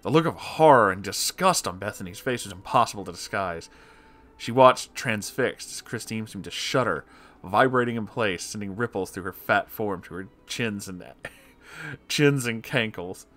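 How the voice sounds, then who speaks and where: Low-voiced man narrating a comic story. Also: lively intonation, normal speed, fairly bright tone. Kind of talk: scripted dramatic narration of comic horror fiction.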